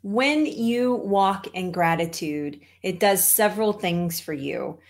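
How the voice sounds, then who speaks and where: A middle-aged American woman from Texas gives a motivational talk at her desk. Her voice sits at a medium pitch, and she speaks in an emphatic way, repeating phrases for weight, like a coach addressing followers online. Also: lively intonation, takes it slowly. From Texas, United States. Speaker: holistic cancer coach, show host. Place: small home office, indoors.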